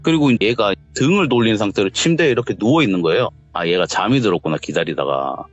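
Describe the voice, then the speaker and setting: A man's voice: expressive, fast. A man, recounting a ghost story in casual talk and acting out the voices in it. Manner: acts out quoted lines, shouting in a raised pitch. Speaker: interviewee telling a true ghost story. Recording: dull lo-fi sound with faint music.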